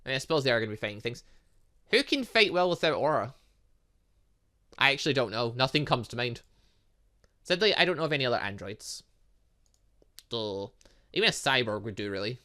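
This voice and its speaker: A man hosts a gaming let's play in a bright, forceful voice. His pitch moves about a lot as he rambles through his thoughts and switches between reading text aloud and commenting on it. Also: sing-song, brisk, long pauses. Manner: rambling, thinking out loud. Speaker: gaming channel host.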